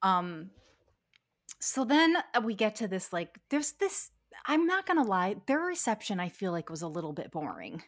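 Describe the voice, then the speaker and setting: A woman with a northeastern Pennsylvania accent, fairly high-pitched with very wide pitch swings, at a moderate pace with long, frequent pauses, on a very clean recording with a silent background. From Pennsylvania, US Northeast. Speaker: podcast co-host. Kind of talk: casual chat.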